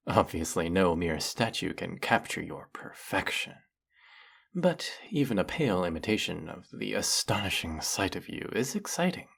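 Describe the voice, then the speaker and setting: A man's voice: low voice, gravelly, husky, exaggerated voice. A man playing a fanatically devoted, lovestruck male demon servant in a fantasy audio roleplay, speaking in a formal, theatrical, over-the-top reverent way. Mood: dutiful, adoring, then lovestruck longing. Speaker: voice actor.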